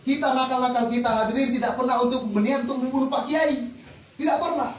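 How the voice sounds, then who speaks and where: A man's voice: very high-pitched, fairly even intonation, quick pace. A man preaching a Muslim sermon, exhorting listeners with rhetorical questions. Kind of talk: religious sermon to an audience. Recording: echoey, distant mic with faint noise.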